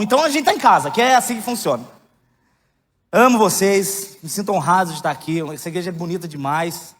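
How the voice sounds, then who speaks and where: A man in his thirties preaching a candid, joking sermon that builds to loud, emphatic outbursts. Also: sits high. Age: 30s. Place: church hall. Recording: long hall reverb.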